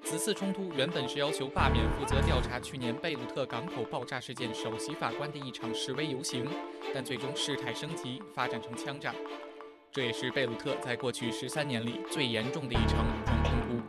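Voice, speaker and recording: A man reads measured, formal news narration in a mid-range voice. Loud music runs under his voice-over throughout. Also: mid-range voice.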